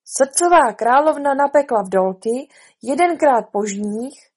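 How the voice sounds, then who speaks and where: A fussy white rabbit herald announces and proclaims in a high, officious storybook voice. A woman performs him with a breathy, mellow tone. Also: expressive. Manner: shrill and officious.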